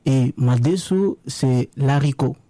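A man from DR Congo whose first language is Lingala, a radio guest explaining a home recipe in a halting way with many restarts. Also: mid-range voice, background noise. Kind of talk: radio interview, casual explaining.

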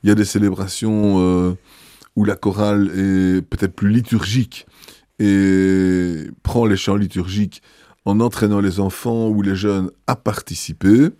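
A man, a bishop answering interview questions in a thoughtful, hesitant way with many pauses. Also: on the low side, fairly even intonation, warm tone, no echo, clean studio sound.

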